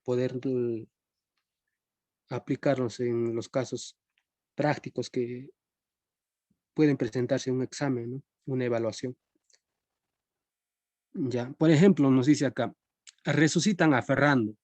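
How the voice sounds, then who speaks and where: A young man teaches a philosophy class over a live stream, and he keeps checking in with his students as he goes. His voice is mellow and relaxed, at a middle pitch. The sound is dry and close, with almost no room echo. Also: unhurried, pauses often. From Peru. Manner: conversational, checks in with students often.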